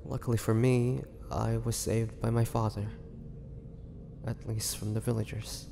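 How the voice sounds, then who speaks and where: A man playing a weary, bitter young half-vampire prisoner in a dramatic audio roleplay, speaking haltingly and sorrowfully. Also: fairly low pitch, flat delivery, gravelly. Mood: somber, grieving. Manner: slow, halting, sorrowful delivery with sighs and pauses. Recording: long hall reverb, faint noise.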